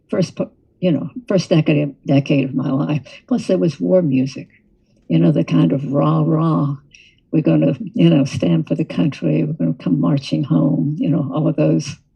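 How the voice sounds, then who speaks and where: Speaking at a moderate pace with an American accent, a man uses a fairly high pitch, very wide pitch swings and vocal fry. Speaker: guest speaker. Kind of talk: casual chat. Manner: halting.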